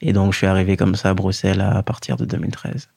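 A man in his thirties from Guinea, a native Fula speaker, telling his own story as an interview guest in a measured way with many pauses and fillers. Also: low-pitched, monotone, gravelly, dark tone, breathy edge, no echo, studio quality. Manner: measured, pausing often with fillers. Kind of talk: reflective personal storytelling.

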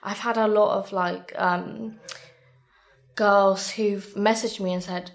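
Woman interviewee, mid-pitched, earnest and emphatic, casual conversational delivery with lots of filler "like". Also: steady tone, slow, creaky. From born in Sri Lanka, moved abroad aged three or four. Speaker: guest, beauty content creator.

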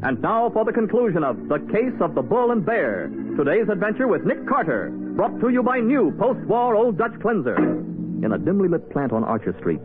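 A man delivers dramatic 1940s radio narration as the show's announcer. His voice swings widely in pitch over loud music, on a tinny, narrow-band recording. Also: huge pitch swings, normal speed.

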